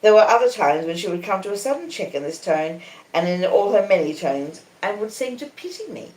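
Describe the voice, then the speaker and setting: An Australian woman reading a classic novel aloud in an expressive, dramatic, deliberate literary narration style. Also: mid-range voice. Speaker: audiobook reader on a live stream. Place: conservatory in a small cottage. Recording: roomy, echoing conservatory sound.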